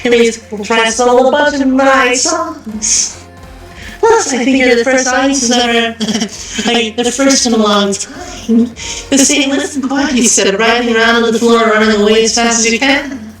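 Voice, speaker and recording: A man voicing a teenage girl idol in a high, squeaky chipmunk voice for a fan voice-over of game dialogue. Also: fairly even intonation, moderate pace, a bit bright, recorded from a distance. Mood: chirpy. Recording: roomy echo, off-mic, music behind.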